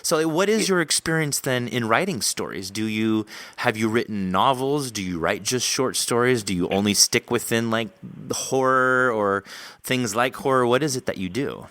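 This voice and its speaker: A man's voice: mid-range voice, moderate pace, a bit bright, no echo. A man in his thirties or forties hosting an interview in a casual, effusive, rambling way. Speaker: podcast host, interviewer. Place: dry close recording.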